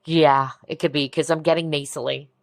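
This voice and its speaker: A woman giving a collective tarot reading in a soft, reassuring way, often breaking into amazed exclamations. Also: low voice, level tone, fairly quick, creaky, no room sound, studio quality. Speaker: tarot reader. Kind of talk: pick-a-card tarot reading.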